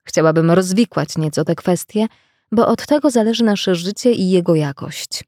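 A woman giving a measured, reflective reading of scripted self-help narration. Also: on the low side, darkish tone, no room sound, studio quality.

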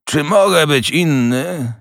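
A man's voice: on the low side, sing-song, a bit bright, clear, resonant tone, no room sound, clean studio sound, full character voice. A man putting on a sour old miser. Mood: scornful. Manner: grumbling, slow and biting.

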